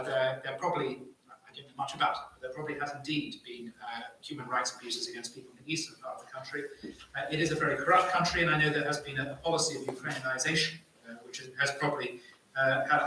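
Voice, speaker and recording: A man speaking as a panelist, arguing a point in halting phrases with repeated words. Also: mid-range voice, fairly even intonation, bright, forceful tone, slight background noise. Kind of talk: impassioned debate argument. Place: live panel event in an echoey room. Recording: very echoey room, distant microphone.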